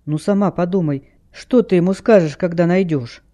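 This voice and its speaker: Man doing a calm, firm teenage girl detective. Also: high-pitched, normal speed, close to an everyday voice. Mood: persuasive. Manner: firm but gentle, reasoning. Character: level-headed teenage girl sleuth.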